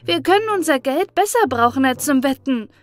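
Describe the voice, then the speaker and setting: A woman voicing sensible schoolboys in a storybook, composed and admonishing with gentle mockery. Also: high-pitched, animated, a little fast, faint music behind, pitched above the performer's own voice. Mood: calm teasing. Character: calm, sensible group of schoolboys, gently mocking.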